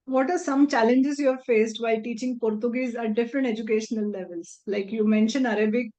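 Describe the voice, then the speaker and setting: A woman with an Indian English accent and a moderately high voice hosts an interview. She speaks politely as she presents and questions a guest. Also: fairly even intonation, brisk, dark tone. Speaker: interview host.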